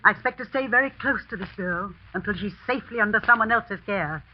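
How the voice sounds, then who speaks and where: A shrewd, sardonic young amateur detective, played by a woman, dry and pointed as she presses her suspect in a 1940s radio mystery. Her middle-pitched voice comes through a dull, lo-fi old broadcast. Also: quick pace, a little hiss or hum, close to an everyday voice. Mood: pressing. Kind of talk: 1940s radio drama acting.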